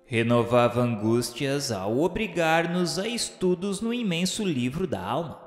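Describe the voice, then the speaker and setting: Male narrator, Brazilian accent, mid-pitched. Solemn, formal radio-novel storytelling with strong echo. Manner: solemn, formal, literary diction. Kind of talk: dramatic scripted first-person narration. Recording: echoey hall reverb with music. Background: music.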